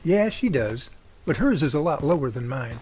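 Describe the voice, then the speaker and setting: A man's voice: fairly high pitch, very animated, moderate pace, darkish tone, slight background noise. A man acting as a chatty, good-humoured grown son in an amateur audio drama, with folksy delivery. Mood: chatty, wry.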